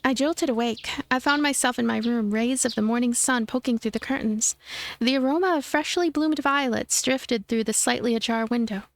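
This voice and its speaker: A woman's voice: a little high, moderate pace. A woman narrating a visual novel as a let's play host, reading the story expressively. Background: background music.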